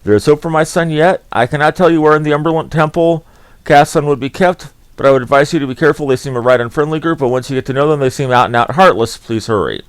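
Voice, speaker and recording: A man's voice: a little high, fast, smooth, no room sound, lightly acted. A man reading out a solemn lord priest in a formal, earnest manner. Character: solemn middle-aged male lord priest.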